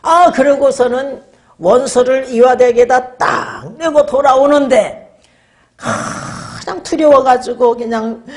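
A middle-aged woman pastor preaching a sermon. She speaks with emphasis and keeps prompting the congregation with quick "eh?" checks. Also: high-pitched, steady tone.

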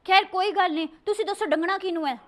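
A woman's voice: very high voice, very fast. A young woman with a Punjabi accent playing a melodramatic, cheeky female cobra on a comedy show, talking like a dramatic, emphatic aunty. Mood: dramatic, plaintive. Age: young adult. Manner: dramatic, emphatic aunty-like complaining with repeated words. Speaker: TV show host. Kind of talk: comic in-character call-in show. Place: TV studio, indoors.

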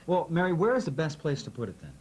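A man's voice: a little high, big pitch swings, quick pace, darkish tone, slight background noise, poor audio. Folksy American man co-presenting. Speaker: training video co-presenter. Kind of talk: scripted question-and-answer dialogue. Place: indoor studio set.

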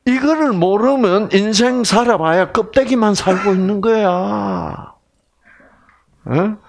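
An older man giving a health lecture on stage in a large lecture hall. He is animated and swings between exclamations and hushed asides. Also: high-pitched, slow, creaky.

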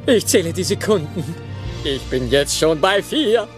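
A silly lovestruck robot with a theatrical, excitable delivery. His pitch swings widely, and music plays loudly underneath. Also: unhurried. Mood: smitten. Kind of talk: German film dub dialogue in children's audio play.

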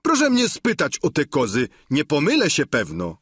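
A man performs a full character voice as a boastful, simple peasant squire telling his tale, his pitch swooping wildly at a moderate pace. The tone is a bit bright with a breathy edge, high, eager and emphatic in its boasting, captured close and dry with no echo.

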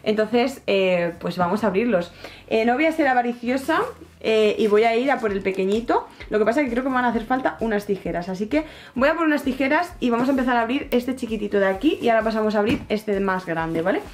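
A young woman excitedly chatting through an unboxing, gushing and repeating herself as she squeals with delight. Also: on the high side, quick pace. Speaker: book and collectibles vlogger. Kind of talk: excited casual unboxing chat.

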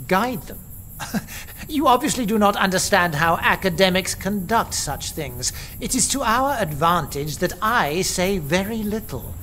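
High-voiced, shrewd medieval archbishop. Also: male voice, animated, unhurried, pushed and bright, slight background noise, exaggerated voice. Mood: wary. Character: cautious, shrewd medieval archbishop, prickly churchman. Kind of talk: audio drama acting.

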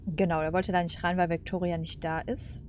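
Low-voiced woman chatting through a game. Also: flat delivery, fairly quick, darkish tone, a little hiss or hum. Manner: chatty, musing aloud. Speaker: gaming host. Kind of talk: casual let's play commentary.

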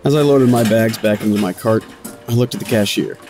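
A man's voice: on the low side, brisk, darkish tone, faint music behind, natural voice. An actor playing a wry, weary working man who narrates his own story in a dry, self-deprecating way in an audio drama. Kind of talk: scripted first-person narration, noir audio drama.

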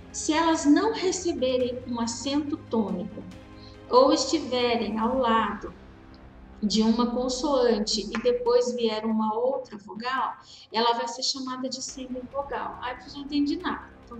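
A woman with a Brazilian Portuguese accent teaches a grammar review lesson, slowly drawing out examples and calling her students dear. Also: fairly high pitch. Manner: patient, drawn-out spelling of examples, calls students dear. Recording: roomy echo with faint music.

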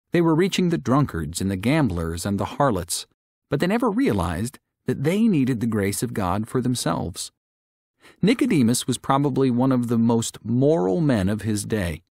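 A male audiobook narrator reads religious prose with earnest, careful articulation. His medium-pitched voice rises and falls in a lively way. The sound is dry and close, with no room around it. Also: no room sound.

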